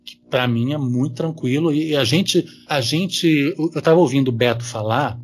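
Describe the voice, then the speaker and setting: A man's voice: medium pitch, normal speed, slightly rough. A man, chatting candidly on a podcast with lots of casual fillers. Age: 40s. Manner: candid, conversational, fillers like "sabe". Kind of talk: casual chat.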